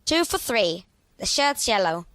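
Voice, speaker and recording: A woman's voice: mid-range voice, big pitch swings, unhurried, a bit bright, no room sound. A woman playing a patient, encouraging young twin sister in an audio drama, colloquial and easygoing. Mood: teasing, patient.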